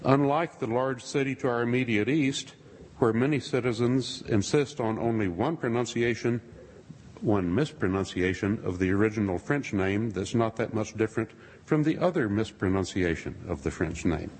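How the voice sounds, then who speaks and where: A man giving a sermon-style talk to a congregation, with dry, wry asides and a husky voice. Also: fairly low pitch, moderate pace, a little mellow. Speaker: speaker addressing a congregation. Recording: long reverb of a large hall.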